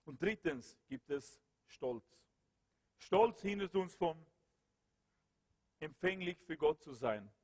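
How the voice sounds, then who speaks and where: A male preacher with a high voice delivers an impassioned sermon and prayer. He swings between loud calls and low murmurs, and his voice trails off in a long reverb. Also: animated, slow, pauses often.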